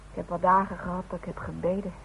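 A woman's voice: fairly low pitch, level tone, fast talker, creaky, a bit bright, a little hiss or hum, low-quality recording. An actress playing a devoted, worried woman who is firm and direct, in a naturalistic radio play on an old recording. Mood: worried, reproachful. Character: devoted, plain-spoken, worried woman coaxing her stubborn father.

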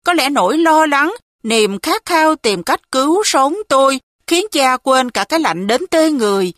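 A woman narrating a first-person story in a slow, emotional storytelling manner. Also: high-pitched, expressive, a bit bright, dry recording, clean studio sound.

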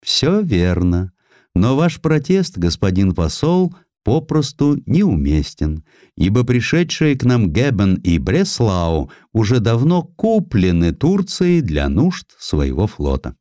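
A man's voice: fairly low pitch, very animated, takes it slowly, mellow, dry recording, clean studio sound. A man voicing a courtly, unruffled Ottoman grand vizier in a historical audiobook, politely dismissive. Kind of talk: dramatized audiobook.

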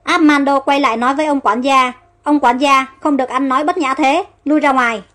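Lady narrator w a high voice reading a story, soft music behind. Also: fairly quick. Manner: reads all characters in one even voice. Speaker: audiobook narrator. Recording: faint background music.

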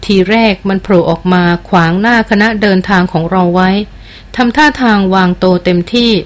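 A calm, seasoned male jungle hunter from an audiobook adventure, as a woman reads him. He speaks in a polite, measured, easygoing way at a middle pitch. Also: natural voice. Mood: explaining.

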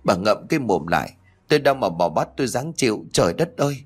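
A man's voice: fairly low pitch, sing-song, breathy edge. A man doing a snapping, cruel young mother. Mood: scolding. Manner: snapping, rude, fast scolding. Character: harsh young mother, cruel to her mother-in-law.

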